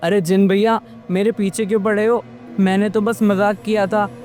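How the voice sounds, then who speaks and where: A man's voice: high-pitched, flat delivery, normal speed, darkish tone, soft background music, close to an everyday voice. A man voicing a cheeky eleven-year-old village boy in a storybook tale, talking in a playful, teasing way.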